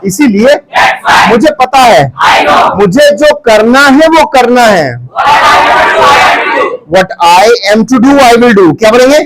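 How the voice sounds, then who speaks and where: An English teacher with an Indian accent, running a loud call-and-response drill with a class of students. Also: male voice, very high voice, animated, takes it slowly, pauses often, over a noisy crowd, heavy background noise. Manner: loud, commanding, repeats prompts.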